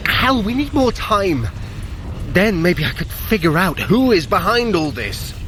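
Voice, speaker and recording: A man's voice: high-pitched, very animated, measured pace, a bit bright, a little hiss or hum, exaggerated voice. An actor playing a wry, prickly male trickster god and sorcerer in an audio drama, with a dry, sardonic manner. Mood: weary, troubled. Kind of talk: scripted audio drama acting for a running workout.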